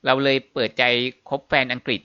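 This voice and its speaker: A man hosts a show where he reads out viewers' comments, breaking off now and then to add casual asides. His voice is bright and forceful, and the recording sounds dry and slightly dull. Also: a little fast, no room sound. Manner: reads others' stories, then adds casual remarks. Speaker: host reading viewer comments. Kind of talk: reading comments aloud with asides.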